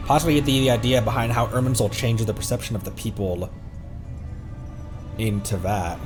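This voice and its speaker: A man who streams games, reading aloud and commenting in a theatrical, deliberate way. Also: medium pitch, fairly even intonation, over music. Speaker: game streamer, VTuber.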